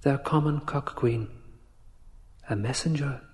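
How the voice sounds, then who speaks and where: A man's voice: medium pitch, slow, darkish tone, natural voice. A man playing a brooding young man's inner voice, reciting a poetic monologue in an audio drama. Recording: long cavernous reverb.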